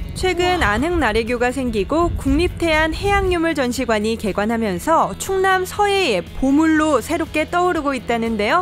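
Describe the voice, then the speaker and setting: Over background music, a woman speaks at a moderate pace with hardly any pauses, her high voice making very wide pitch swings while her loudness stays very even. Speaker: news reporter. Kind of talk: regional government news report.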